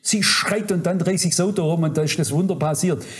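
A man's voice: fairly high pitch, fairly quick. A man preaching a sermon at a conference, fervent and admonishing, speaking straight to his listeners. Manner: fervent, admonishing, addresses audience directly. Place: conference hall.

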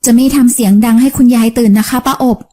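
A woman voicing a clingy young woman pleading softly to see her grandmother, in an audiobook. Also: a little high, fairly even intonation, quick pace, lightly acted.

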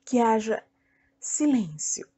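A Brazilian woman leading a guided meditation in a soothing, deliberate way, speaking in short phrases with long pauses. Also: on the high side, very animated, dark tone, husky. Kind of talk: guided meditation, self-hypnosis narration.

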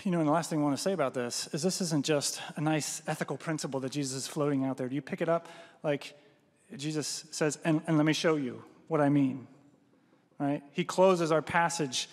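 A man in his thirties, a pastor, preaching a sermon on a headset mic, animated and often asking "right?". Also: a little high, fairly quick. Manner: animated, gestures broadly, often adds "right?". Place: church hall, indoors, large room. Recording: long hall reverb.

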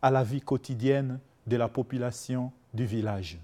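A man giving even, formal scripted documentary narration. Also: medium pitch, normal speed.

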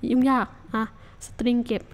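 A woman hosting a survival game let's-play, talking to herself in a chatty, casual way with sudden startled shouts. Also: moderate pace. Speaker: Minecraft let's-play host.

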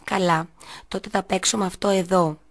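A woman's voice: fairly low pitch, fairly even intonation, natural voice. A woman doing a whiny jealous little boy. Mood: meek. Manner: whining, pleading.

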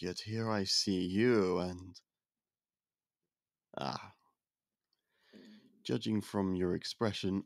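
Young royal suitor, male, deep and fry-laden, soft-spoken and courteous, dry close-mic ASMR read, voiced by a man. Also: dry recording, exaggerated voice. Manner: polite, formal, soft-spoken courtship talk. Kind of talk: ASMR roleplay.

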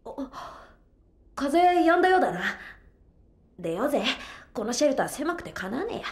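A woman playing a brash, protective young boy in a Japanese audio drama, speaking in a rough, blunt boyish way. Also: high-pitched, big pitch swings, moderate pace, a little mellow, roomy sound. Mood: brisk, cheerful.

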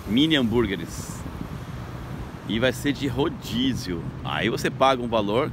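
A man's voice: medium pitch, lively intonation, a little slow. Chatty man outdoors by traffic. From Brazil. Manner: chatty, upbeat, talks to viewers directly. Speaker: local tour guide vlogger. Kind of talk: casual vlog narration. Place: beach boardwalk outdoors at sunrise. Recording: outdoor phone recording with traffic noise.

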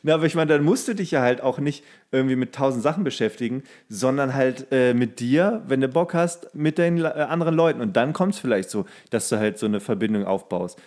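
A man's voice: medium pitch, a little fast, hardly any pauses, a little mellow. Fields: Man. Style: rambling, colloquial podcast chat. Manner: colloquial, rambling with mock-strict asides. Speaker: podcast co-host. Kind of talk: casual humorous chat.

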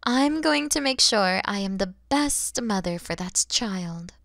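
A woman voicing a kind, motherly mature dragon in an ASMR roleplay, speaking softly and breathily with tender, soothing warmth. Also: medium pitch, lively intonation, a little slow, no echo, clean studio sound. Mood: grateful, gentle. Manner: soft, breathy, soothing, often near-whispered.

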